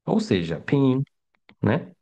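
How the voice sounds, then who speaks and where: A middle-aged man teaching Mandarin online live takes it slowly, his medium-pitched voice sing-song, creaky and mellow. His manner is casual and conversational, with frequent check-ins and tag questions for his students.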